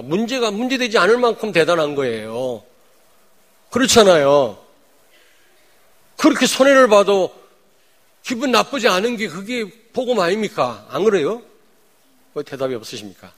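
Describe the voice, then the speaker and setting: A man, a pastor, preaching a sermon. He swings between loud declarations and hushed, chatty asides, and keeps throwing rhetorical questions at the congregation. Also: sits high.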